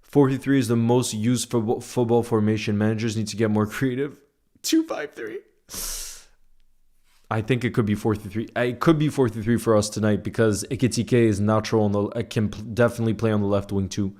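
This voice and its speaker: A man's voice: lowish voice, fairly even intonation, quick pace, few pauses, mellow. A man hosting a casual football livestream, reading out viewer comments and answering them informally, often repeating phrases for emphasis. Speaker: livestream host, football fan streamer.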